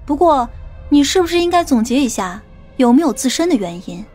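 A woman plays a tough, skeptical policewoman in an audiobook. She questions and challenges in a high voice, with faint music behind her. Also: sing-song, brisk, darkish tone. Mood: scornful. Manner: interrogating, challenging. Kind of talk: audiobook character dialogue.

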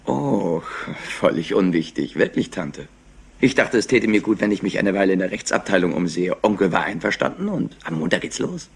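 A clever young heir in a crime radio play. The voice swings widely in pitch over a low, creaky register, with an evasive, superior manner. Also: male voice, big pitch swings, moderate pace, full character voice. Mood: smoothly evasive. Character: clever, slightly overwrought young nephew of rich industrialist.

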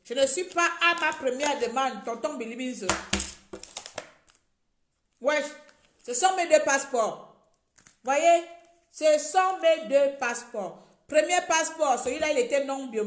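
A woman from Gabon speaks straight into a phone held at arm's length, her high voice bouncing around a small, echoey room. She rants with rising indignation, repeating words and pressing her points louder and louder. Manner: indignant, repeats herself, grows louder and emphatic. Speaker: vlogger. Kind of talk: impassioned direct-to-camera rant. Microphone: phone camera at arm's length.

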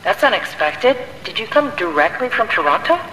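An inquisitive, composed woman from a video game, with a crisp bright edge and lively intonation. She is matter-of-fact, heard through an echoing intercom with a long reverb. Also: mid-range voice, moderate pace. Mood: calm, curious. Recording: echoey intercom in large hall, faint noise.

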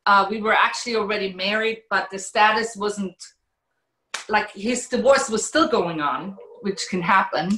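Brief: middle-aged woman from Switzerland, sharp bright tone, plain storytelling, roomy video call sound. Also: mid-range voice, moderate pace. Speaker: guest. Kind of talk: casual video call chat. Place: home room. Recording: echoey room on a video call.

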